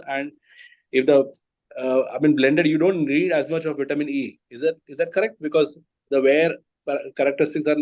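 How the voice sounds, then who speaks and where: A man's voice: fairly high pitch, darkish tone, low-quality recording. A man with an Indian accent questioning presenters as a senior panellist in an informal, probing technical discussion.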